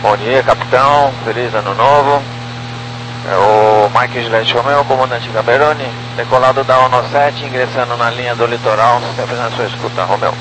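A pilot speaking in formal, courteous radio phraseology over a helmet radio. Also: male voice, medium pitch, fairly even intonation. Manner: courteous, measured. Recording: noisy radio transmission.

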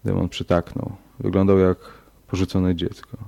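A man narrating a horror story in a slow, measured audiobook reading. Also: low voice, level tone, vocal fry, mellow.

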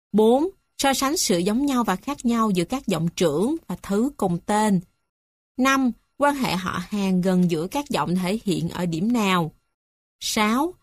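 Slow, measured woman reading a textbook. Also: medium pitch, no echo, studio quality. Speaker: textbook reader. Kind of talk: reading a music theory textbook aloud.

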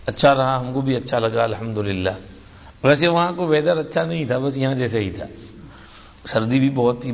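A man's voice: mid-range voice, creaky. Man teaching a hadith lesson, reverberant hall. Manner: explanatory, slow and deliberate. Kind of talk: religious lesson.

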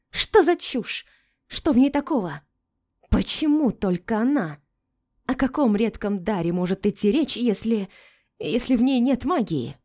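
A furious young noblewoman shrieks high and loud, as a woman reading a storybook puts her on. Her outbursts break into sobs, with a dark, mellow timbre under the shrill edge.

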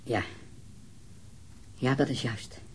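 An actor playing a disturbed, self-righteous male murder suspect full of loathing in a radio crime drama, speaking in a halting, repetitive way with a husky, breathy voice. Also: mid-range voice, a little mellow, a little hiss or hum, lightly acted. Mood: drained, evasive.

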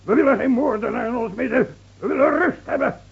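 An actor in a Dutch radio play playing a gruff, uneasy villager who speaks in a curt, suspicious way. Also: male voice, very high voice, a little fast, exaggerated voice. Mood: agitated, fearful. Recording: muffled old radio play recording.

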